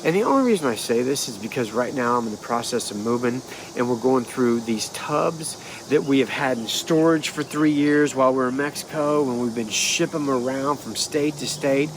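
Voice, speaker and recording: A middle-aged man with a congested, nasal voice speaks to his camera in a leafy yard, rambling and restarting as he goes. Faint insects and far-off traffic sit softly behind him. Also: mid-range voice, normal speed. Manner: rambling, animated, restarts often. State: stuffed-up, nasal. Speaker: spiritual healer. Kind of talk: casual vlog monologue. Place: outdoors in a wooded yard. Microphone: phone or camera at arm's length.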